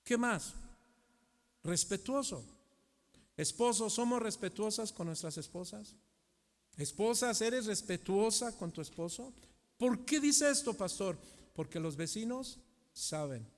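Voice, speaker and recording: High-voiced Mexican pastor preaching in a hall. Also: male voice, expressive, unhurried, long pauses. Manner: rhetorical questions to the congregation, swings between loud and hushed. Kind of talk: sermon. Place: church hall. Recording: long church hall reverb.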